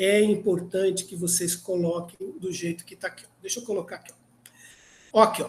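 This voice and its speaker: A man talks at a moderate pace with hardly any pauses. His pitch is high and his intonation is monotone and flat. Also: big swings in loudness. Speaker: university lecturer. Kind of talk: online class lecture.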